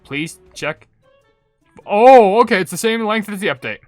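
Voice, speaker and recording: Casual male game commentator, lighter-pitched, conversational, recorded dry over faint music. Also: expressive, unhurried, no echo. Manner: chatty, informal. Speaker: gaming video host. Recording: dry close mic, game music behind. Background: soft game music.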